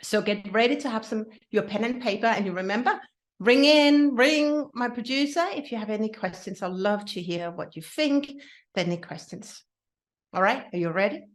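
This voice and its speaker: A Danish woman whose first language is Danish hosts her own casual solo podcast, speaking earnestly and personally with a Danish accent. She often restarts and repeats herself, at a moderate pace and medium pitch.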